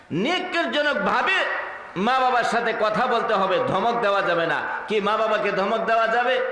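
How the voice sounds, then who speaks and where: A man preaching a sermon at an open-air gathering. He talks fervently, chants verses in a sung tone and keeps firing questions at the crowd. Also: high-pitched. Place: outdoor gathering under a marquee. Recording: echoey loudspeaker sound with long reverb.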